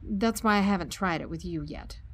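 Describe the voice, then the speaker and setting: An actress playing a level-headed, protective woman doctor in an audio drama, explaining things in a measured, concerned way. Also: fairly low pitch, close to an everyday voice. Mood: measured, explanatory.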